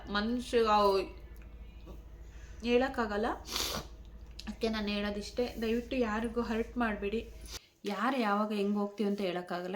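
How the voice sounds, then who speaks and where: A woman speaking in an emotional tribute vlog, tearful and pleading, repeating herself. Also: fairly high pitch. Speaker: vlogger.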